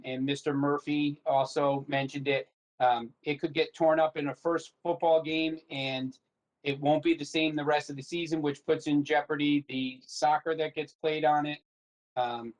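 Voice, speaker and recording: A man giving an unscripted, measured and somewhat hesitant answer as an official at a public meeting. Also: mid-range voice, low-quality recording. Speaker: recreation official.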